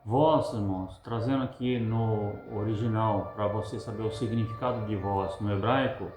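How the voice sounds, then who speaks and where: A man's voice: on the low side, steady tone, moderate pace, a little mellow, soft background music. A preacher gives a sermon, repeating his points with emphasis and asking the listeners rhetorical questions. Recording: roomy echo.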